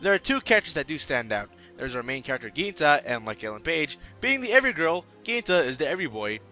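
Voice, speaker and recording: Fast, animated man reviewing with sarcasm. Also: on the high side, soft background music. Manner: irreverent, sarcastic, slangy. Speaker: anime reviewer and host. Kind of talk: casual opinionated video review narration.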